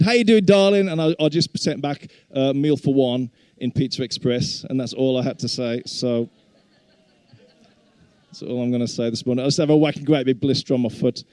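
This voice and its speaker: Mellow middle-aged Black Country man, informally preaching. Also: medium pitch, a little fast, long pauses, no echo. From English Black Country. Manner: chatty, self-deprecating humour. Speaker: guest preacher and worship leader. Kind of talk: informal sermon to a congregation.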